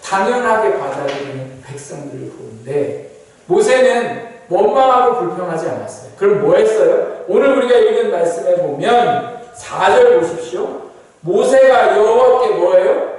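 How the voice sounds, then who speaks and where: A pastor delivers a sermon in a very echoey church sanctuary, his voice picked up by a distant mic. He repeatedly throws rhetorical questions at the congregation, swinging between raised, emphatic lines and low, quiet ones.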